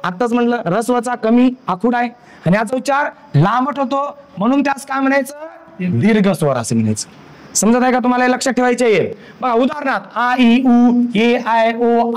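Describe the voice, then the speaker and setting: A man teaching a grammar lesson for exam preparation, repeating points and often checking that students understand. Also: very high-pitched. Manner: repetitive, checks understanding with frequent questions.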